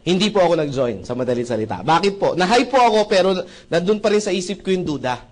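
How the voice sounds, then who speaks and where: A young man from the Philippines giving an animated testimonial at a seminar, acting out conversations and often asking the audience to agree. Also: high-pitched, quick pace. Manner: acts out dialogue with shifting voices, asks audience often. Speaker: seminar speaker.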